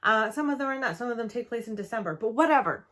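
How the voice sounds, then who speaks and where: A woman's voice: fairly high pitch, expressive, quick pace, fairly bright tone. A young woman from Canada in a casual book-review vlog, chatty and enthusiastic, with lots of "um" and "like". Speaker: book vlogger.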